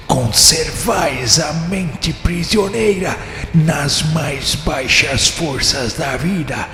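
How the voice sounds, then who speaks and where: An actor playing a merciless judge of the netherworld in a radio drama, declaiming pompously and solemnly to the condemned. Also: male voice, fairly high pitch. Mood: thundering, menacing. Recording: long cavernous reverb, music behind. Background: music.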